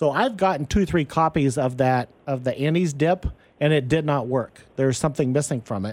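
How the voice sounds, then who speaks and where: Fairly high-pitched male speech, an ordinary speaking voice, moderate in pace and with ordinary pitch variation. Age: 60s. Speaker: radio host. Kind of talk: live radio talk show.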